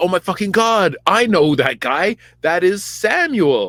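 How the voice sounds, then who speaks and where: Doing a put-on character voice, a man speaks at a fairly slow pace in a high, whiny voice with very even loudness. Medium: solo performance. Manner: casual, whiny bro-speak.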